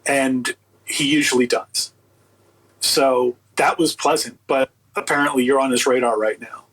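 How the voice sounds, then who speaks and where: In a rough recording, a man with a mid-range voice speaks at a measured pace as an interview guest who produces audiobooks. He tells a story casually and with animation, acting out the conversations he quotes in an incredulous, sardonic tone.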